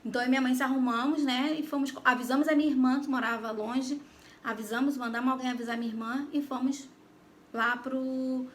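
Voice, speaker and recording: A Brazilian woman with a Brazilian Portuguese accent telling a personal faith testimony, talking animatedly and addressing her listeners directly. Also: high-pitched. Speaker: Christian YouTuber giving testimony.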